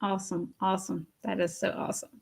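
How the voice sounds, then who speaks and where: Woman host, mid pitch, gravelly edge, upbeat and repetitive. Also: flat delivery, fast, a little mellow. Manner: enthusiastic, repeats "awesome". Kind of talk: casual interview hosting.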